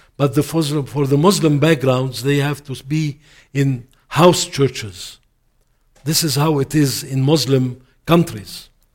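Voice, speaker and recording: A man with an Arabic accent speaks at a fairly slow pace. His pitch is fairly high, with ordinary pitch variation. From Lebanon. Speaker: pastor and ministry leader. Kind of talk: sermon-style presentation. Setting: church.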